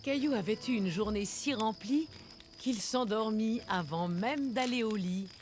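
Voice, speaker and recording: A woman narrating a children's cartoon as a gentle, expressive storyteller. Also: fairly high pitch, a little slow, natural voice. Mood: gentle, storytelling. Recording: music behind the voice.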